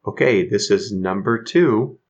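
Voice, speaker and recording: A man's voice: fairly low pitch, unhurried. A man calls out quiz numbers in short, plain phrases. His recording sounds a little dull and lo-fi. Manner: brief and matter-of-fact. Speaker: quiz announcer.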